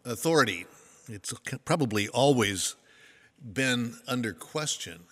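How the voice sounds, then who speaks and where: An older man preaches in a bright, forward voice, his pitch rising and falling freely as he tells a folksy story. He pokes fun at himself between points. A long reverb trails his words through a large hall. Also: lively intonation, unhurried. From United States. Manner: folksy storytelling with self-deprecating humor. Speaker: pastor. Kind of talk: sermon.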